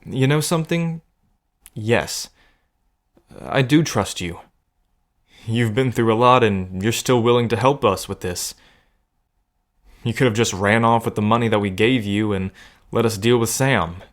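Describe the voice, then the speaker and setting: A man plays a protective cousin caught up in a gambling scheme. His voice sits fairly low and stays conversational. He speaks earnestly, with a dry wit, as in an intimate audio drama. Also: measured pace, long pauses, natural voice. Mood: reassuring, earnest. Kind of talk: scripted audio drama acting, addressed to the listener.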